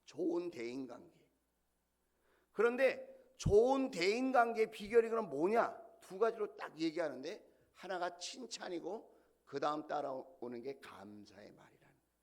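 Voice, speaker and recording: A man's voice: sits high, sing-song, moderate pace. A middle-aged male senior pastor delivering a sermon, telling stories with animation and putting questions to the congregation.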